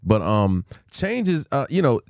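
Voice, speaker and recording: A man hosting a casual livestream talk show, playful and chatty with his guest and viewers, now and then breaking into a quick rhyme. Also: medium pitch, sing-song, darkish tone, no room sound, clean studio sound. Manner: playful, hypes the audience, drops into quick freestyle rhymes. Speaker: livestream host.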